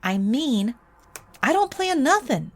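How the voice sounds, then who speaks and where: A young actress playing a brash, wisecracking college student in a golden-age style radio drama. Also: female voice, high-pitched, big pitch swings, slow pace, exaggerated voice. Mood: sassy. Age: young adult. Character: sassy spontaneous young woman student. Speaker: undergraduate student.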